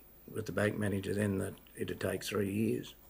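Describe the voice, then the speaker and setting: A man with a rural Australian accent speaks at a fairly low pitch. His voice has vocal fry and fairly even intonation. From western Queensland, Australia. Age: 60s. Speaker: cattle farmer; witness. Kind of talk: testimony; testimony answers. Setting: courtroom. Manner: halting. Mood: calm, plain, slightly hesitant. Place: hall. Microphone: podium.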